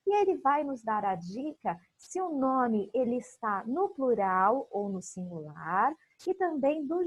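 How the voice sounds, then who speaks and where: A woman's voice: high voice, breathy edge, no echo, low-quality recording. A woman with a Brazilian Portuguese accent teaching a recorded online class for young children, patiently explaining and drawing out example words.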